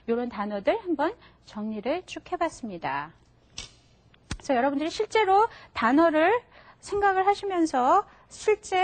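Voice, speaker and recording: Woman teacher, high and bright, lively and patient, models words for the class to repeat. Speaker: English teacher. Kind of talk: classroom lesson for adult learners. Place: TV studio classroom.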